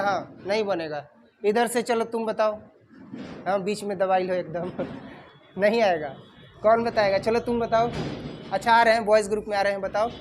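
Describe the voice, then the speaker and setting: A man's voice: high voice, slight background noise. A male teacher teaching English grammar in a classroom, calling on students and dictating sentences word by word. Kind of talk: classroom lesson. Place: classroom with a whiteboard.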